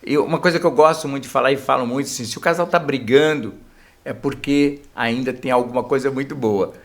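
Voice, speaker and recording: A man's voice: medium pitch, brisk. Brazilian therapist guy, middle-aged, chatty explainer, keeps adding little tag words. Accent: Brazilian Portuguese. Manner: explanatory, many filler tags at phrase ends. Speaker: couples therapist guest. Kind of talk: casual podcast interview.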